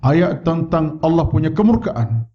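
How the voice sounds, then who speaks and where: A man's voice: animated, unhurried, lo-fi sound. A man with a Malaysian Malay accent, giving a mosque lecture as a religious teacher. He tells stories and acts out the quoted voices. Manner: storytelling, acts out quoted voices with rising pitch. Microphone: wireless microphone.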